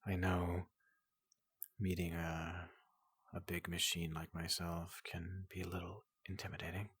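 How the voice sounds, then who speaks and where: A big, kindly robot doctor acted out by a man speaks in a very husky, hushed ASMR voice, close and dry. The delivery is slow and soothing, polite and reassuring, with a breathy near-whisper throughout. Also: deep voice, level tone, dry recording, exaggerated voice. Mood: gentle, inquisitive. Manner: slow, gentle, reassuring, repeats questions softly.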